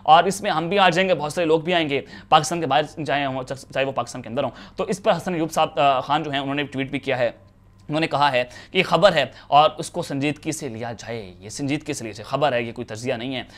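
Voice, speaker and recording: A man's voice: on the high side, fast talker, fairly bright tone. A young man from Pakistan giving urgent political news commentary to a lapel mic, with many filler sounds. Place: home office with bookshelves.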